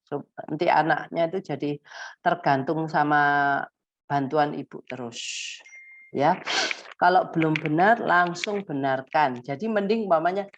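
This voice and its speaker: A woman's voice: unhurried, a little hiss or hum. A woman, an autism therapist giving a live-streamed lesson to parents, talking animatedly and mixing in English words. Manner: animated, acts out high exaggerated example phrases; mixes English words into her talk. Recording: dull lo-fi stream audio.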